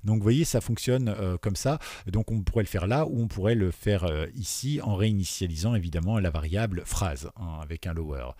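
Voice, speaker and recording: Low, dark-voiced man teaching code. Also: expressive, fairly quick, few pauses, no echo, studio quality. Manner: explains step by step, often checks in with "d'accord?"; many fillers, trails off quieter while typing. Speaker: programming teacher. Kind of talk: screen-recorded coding tutorial. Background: keyboard typing.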